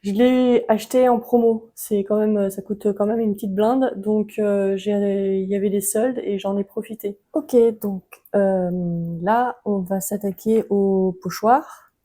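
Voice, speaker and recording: Slow, mellow-voiced French woman crafting. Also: medium pitch, rough recording. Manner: relaxed, chatty, many hesitations. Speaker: book crafting YouTuber. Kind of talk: casual crafting tutorial.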